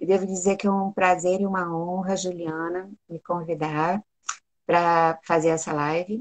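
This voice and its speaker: A woman speaks in a fairly low voice at a fairly slow pace. Her intonation is monotone and flat. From Rio de Janeiro, Brazil. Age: 60s. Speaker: astrologer. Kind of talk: live-stream interview. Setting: online live stream from home in forest.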